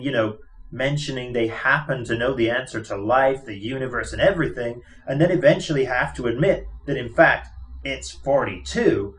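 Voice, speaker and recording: A man's voice: medium pitch, fairly bright tone, natural voice, rough recording. Man acting a brash, cocky space hustler. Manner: casual, pushy.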